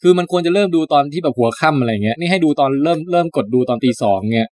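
A podcast host chatting casually, animated storytelling with crude slang. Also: male voice, fairly high pitch, very fast. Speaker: podcast host reviewing shows. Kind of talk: casual chat.

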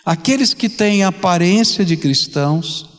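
A man's voice: high-pitched, expressive, measured pace. An older Brazilian man preaching a fervent sermon to his congregation, often asking them direct questions. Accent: Brazilian Portuguese. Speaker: pastor. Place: large church sanctuary. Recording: long reverb of a large church hall.

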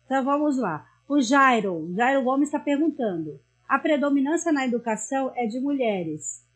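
Hoarse Brazilian woman reading questions. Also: high-pitched, animated, moderate pace. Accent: Brazilian Portuguese. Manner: casual, chatty. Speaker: co-host reading viewer questions.

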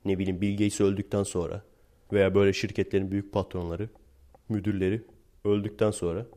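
Wry young man, mellow low voice. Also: level tone, a little fast. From Turkey. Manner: chatty, wry, laughs while telling anecdotes. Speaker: teacher. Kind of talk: casual storytelling vlog.

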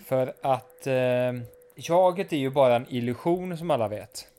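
A man talking casually and philosophically, rambling through his ideas with plenty of hesitant fillers. His voice sits at an ordinary middle pitch. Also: dark tone. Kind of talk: casual chat.

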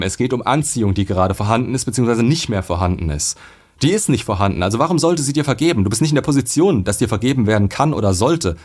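A man reading out a viewer's letter and answering it with blunt, lecturing dating advice. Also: fairly low pitch.

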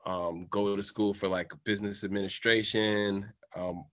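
A young man from Boston, a writer who is a guest on a radio interview, answering in a soft-spoken, thoughtful way with many "um"s. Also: fairly low pitch, little pitch movement, moderate pace. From Boston, USA.

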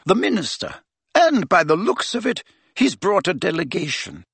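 A man puts on a stern older headmistress, lifting his voice well up toward a woman's. Her speech is brisk, clipped and commanding, with a lively rise and fall. The recording is dry, with a breathy edge. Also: high voice, no echo, pitched above the performer's own voice, heavily acted.

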